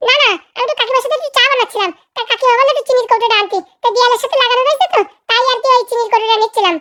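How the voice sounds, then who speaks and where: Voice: extremely high pitch, racing, bright, forceful tone, dry recording, studio quality. A performer voicing a cheeky, eager young sidekick in a comedy cartoon, chattering in a colloquial way. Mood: chatty. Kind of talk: comic cartoon dialogue.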